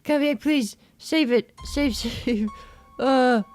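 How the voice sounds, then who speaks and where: High-pitched woman, playful gaming host. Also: slow pace, darkish tone, soft background music. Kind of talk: reading visual novel dialogue aloud with playful reactions.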